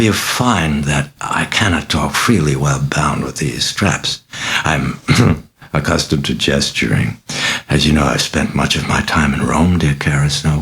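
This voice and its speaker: A sinister demon speaking through a possessed girl, as a man reading aloud puts it on, drawling each word slowly and with open mockery. Under the taunts the voice stays gravelly and creaking, rising in sudden wheedling swoops above a deep base. It coaxes and sneers in the same breath. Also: a bit bright, full character voice. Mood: sly, wheedling. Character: sly mocking demon possessing a young girl. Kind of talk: audiobook character voice.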